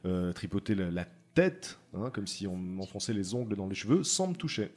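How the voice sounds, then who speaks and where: A man on a talk show panel explaining casually, somewhat halting as he searches for his words. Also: low voice, sing-song, darkish tone.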